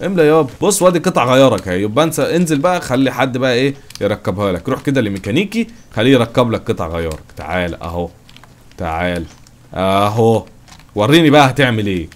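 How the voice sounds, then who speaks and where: A man with an Egyptian accent giving let's-play commentary, joking and excitable, talking to his viewers and to the game's characters. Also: mid-range voice, fast talker. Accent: Egyptian Arabic. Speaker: gaming channel host.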